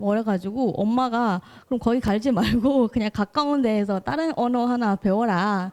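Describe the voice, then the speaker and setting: A dark, mellow tone at a moderate pace, dry and close with no echo. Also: woman. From Myanmar. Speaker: video maker. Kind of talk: casual chat.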